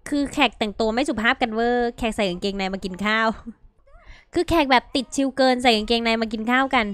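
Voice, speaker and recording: A woman hosting a casual gameplay video, chatty and playful, talking straight to her viewers with quick exclamations. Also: fairly high pitch, fairly bright tone, clean tone. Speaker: gaming video host. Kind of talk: casual let's-play commentary.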